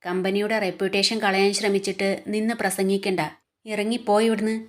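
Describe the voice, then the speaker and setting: A woman's voice: medium pitch, little pitch movement, fairly quick, close to an everyday voice. Woman narrator doing a furious male boss in a storybook, harsh and scolding, barely voiced apart. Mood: angry.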